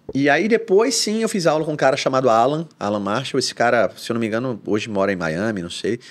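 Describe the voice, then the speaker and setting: A man's medium-pitched voice with very wide pitch swings, at a fairly quick pace. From Brazil. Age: 40s. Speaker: guitarist and music teacher; music teacher. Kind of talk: casual chat. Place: studio. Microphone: studio mic.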